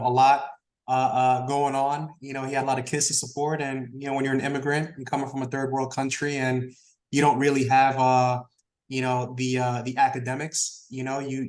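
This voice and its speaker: A man, a Spanish speaker, talking as an interview guest in a relaxed, rambling way full of fillers. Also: medium pitch, reverberant. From Brooklyn, New York. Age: 30s. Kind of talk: casual interview talk.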